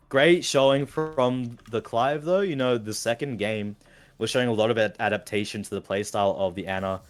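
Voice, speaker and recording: A man with an Australian accent giving play-by-play and analysis of a fighting game, steady and analytical, lifting with excitement on big moments. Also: on the low side. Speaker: esports caster.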